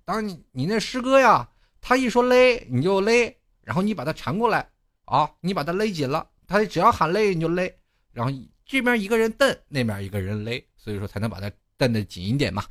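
A man voicing his old truck-driving mentor, an older man giving loud, insistent instructions. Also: on the low side, fast talker, few pauses, no room sound, studio quality. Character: gruff older male truck-driving mentor barking orders.

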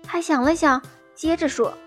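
A woman reading a children's story aloud in a slow, gentle and expressive way. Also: sits high, faint music behind.

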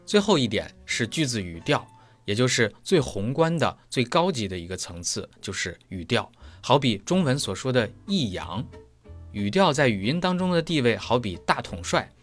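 A man teaching German pronunciation in a methodical lesson, laying out each point step by step with homely analogies. His voice sits at a middle pitch but moves with a lively, wide-ranging melody. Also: normal speed, faint music behind. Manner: explains step by step with everyday analogies. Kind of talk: explanatory lesson.

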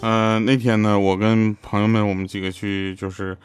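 A man's voice: moderate pace, clear, resonant tone, dry recording, faint music behind. Playful man telling comic workplace stories. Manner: playful, animated, jumps into high voices for quoted people. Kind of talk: casual comic storytelling.

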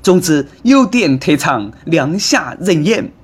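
A man's voice: fairly high pitch, very animated, slow, husky. A man with a Nanchong Sichuanese accent hosting a comic commentary in a sarcastic, mocking manner. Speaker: host.

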